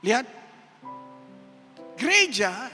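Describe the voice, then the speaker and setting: A man's voice: very high-pitched, big pitch swings, extremely slow, pushed and bright. A male pastor preaching a sermon, telling personal stories with acted-out quotes in casual slang. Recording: echoey hall with music behind.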